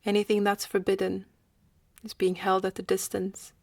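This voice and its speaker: Woman guiding meditation, creaky close dry voice. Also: medium pitch, monotone, no echo. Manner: slow, gentle, with long pauses. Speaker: meditation guide. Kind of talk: guided meditation.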